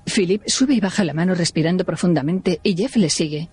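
A man reading audio description for a film in a plain, measured, neutral way. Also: high-pitched, darkish tone, slightly rough, soft background music.

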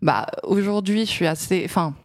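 Low-voiced young french woman, hesitant chatty interview guest, dry close sound. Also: normal speed, dry recording. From France. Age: 20s. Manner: hesitant, many fillers and restarts. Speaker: guest, fashion model. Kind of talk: casual interview chat.

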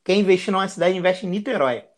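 A man's voice: sits high, racing. A man, a podcast guest talking in a crude, slangy, boisterous way. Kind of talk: casual chat.

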